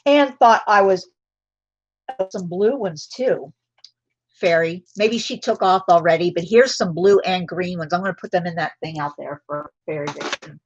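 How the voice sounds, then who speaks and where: A woman's voice: fairly low pitch, moderate pace, dull audio. A woman hosting a live jewelry sale, chatting casually and drifting into personal stories. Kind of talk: casual live-stream selling chat.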